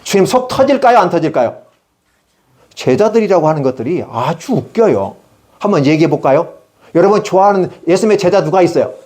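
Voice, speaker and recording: A man's voice: high-pitched, fairly quick. A middle-aged male preacher giving a sermon at a prayer retreat, telling stories and often putting questions to the congregation. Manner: lively storytelling, asks the congregation questions.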